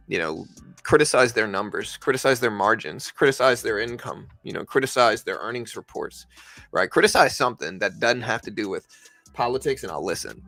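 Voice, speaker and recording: A man's voice: medium pitch, sharp tone, dry recording. A man hosting a livestream, casually commenting on the stock market and explaining things conversationally as he answers viewers. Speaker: livestream host.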